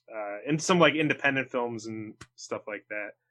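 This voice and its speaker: The voice has a bright, sharp tone and a moderate pace over a quiet background. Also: man. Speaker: podcast host. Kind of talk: casual interview.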